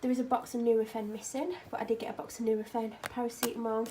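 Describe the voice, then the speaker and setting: Speaking at a fairly quick pace, a woman with a fairly high pitch is heard over noticeable background noise. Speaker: vlogger. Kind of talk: casual vlog chat. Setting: in a car.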